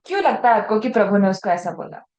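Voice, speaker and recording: A woman teaching a children's Sunday school lesson, telling a Bible story and asking the children questions in an animated way. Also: medium pitch, fast, reverberant, rough recording. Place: church room with children, also on a video call.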